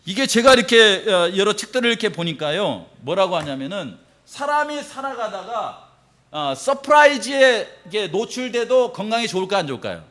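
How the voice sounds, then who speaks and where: A middle-aged man preaching a sermon as pastor, animated, acting out quoted reactions and laughing often. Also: high voice, moderate pace.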